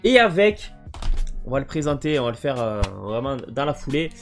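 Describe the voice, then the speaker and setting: A man's voice: medium pitch, big pitch swings, moderate pace, soft background music. A man casually presenting his video game collection, hesitant and full of fillers. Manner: hesitant, many fillers and restarts.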